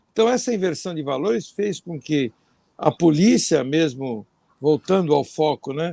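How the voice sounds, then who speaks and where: Lively intonation marks this man's fairly high-pitched voice, which has a dark, mellow tone and a dry, close sound with no echo. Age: 60s. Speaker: business association president. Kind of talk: panel debate.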